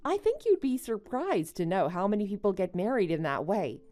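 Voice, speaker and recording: A woman's voice: medium pitch, big pitch swings, moderate pace, warm tone, soft background music, close to an everyday voice. A woman playing a level-headed young married woman, a betrayed friend who answers firmly and with exasperation in a story drama. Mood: matter-of-fact. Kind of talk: melodramatic animated-story voice acting.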